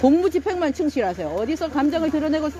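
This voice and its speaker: High-voiced woman scolding police at a protest. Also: big pitch swings, fast, dull audio, noisy background. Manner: insistent, scolding, repeats demands. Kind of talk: heated street confrontation. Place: outdoors at a street protest.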